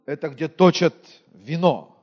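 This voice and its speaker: A preacher from Moldova with a high voice for a man, talking through his sermon like a conversation. He quizzes the congregation and often sinks to a near-murmur. His words ring out with a long hall reverb. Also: unhurried, highs cut off. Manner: conversational, asks the congregation questions, often drops to a quiet voice.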